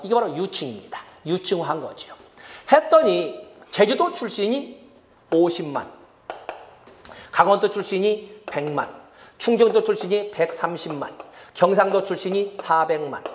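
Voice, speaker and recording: A middle-aged man giving an exam-prep lecture, repeating key terms as he writes them on the board. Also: high-pitched.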